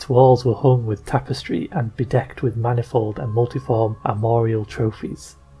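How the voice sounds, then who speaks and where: Music plays in the background as a man speaks. His pace is moderate and his pitch variation ordinary. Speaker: podcast narrator. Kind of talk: literary reading.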